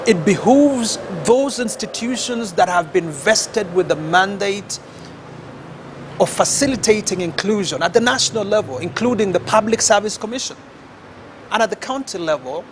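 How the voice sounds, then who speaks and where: Kenyan guy w a pretty high voice, formal, emphatic, bit of faint noise in the back. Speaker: guest expert. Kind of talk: studio talk show discussion.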